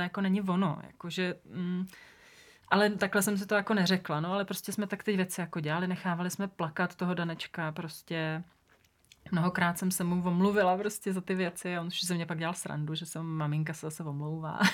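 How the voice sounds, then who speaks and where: A woman at medium pitch with fairly even intonation and a fairly quick pace, in a very clean recording with a silent background. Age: 40s. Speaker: parenting project author, mother. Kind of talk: interview. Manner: hesitant, filler-heavy.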